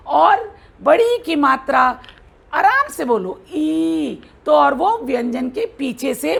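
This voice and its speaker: Woman, teacher, children's lesson, high-pitched, unhurried, patient repetition. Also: vocal fry. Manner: slow, patient, drawn-out demonstration of sounds.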